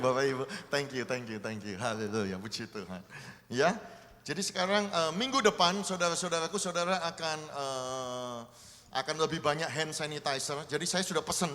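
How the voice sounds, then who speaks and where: A man preaching as pastor, lively and coaxing the congregation to practise greetings with one another. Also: medium pitch. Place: large church hall. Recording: long hall reverb.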